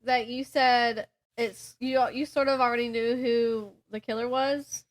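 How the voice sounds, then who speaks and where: A woman's voice: fairly high pitch, steady tone, unhurried. A woman co-hosting a casual book podcast, agreeable and supportive, often prompting with questions. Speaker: podcast co-host.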